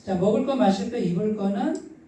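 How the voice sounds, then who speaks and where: A male pastor with a husky, somewhat stifled voice preaches conversationally, putting questions to the congregation and answering them himself. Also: high-pitched, brisk, mellow. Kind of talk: conversational sermon. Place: church midweek service, echoing room. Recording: echoey church hall, distant mic.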